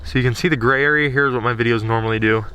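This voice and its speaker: A man talking in a casual, unscripted vlog style, candid and rambling as he thinks aloud, his voice getting a little hoarse. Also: mid-range voice, fairly even intonation, racing, sharp tone, rough recording. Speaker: video creator.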